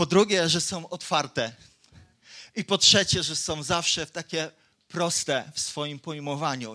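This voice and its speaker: At a fairly slow pace, a man with a high pitch, ordinary pitch variation and a bright, sharp tone speaks. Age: 50s. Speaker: pastor. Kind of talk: sermon. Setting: church hall with congregation. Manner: animated.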